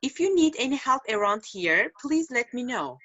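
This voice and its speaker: Turkish woman student reading lines, lively up and down voice, dry lo-fi call audio. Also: a little high, moderate pace, dry recording. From Turkey. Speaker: English student. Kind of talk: reading a practice dialogue. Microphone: video call.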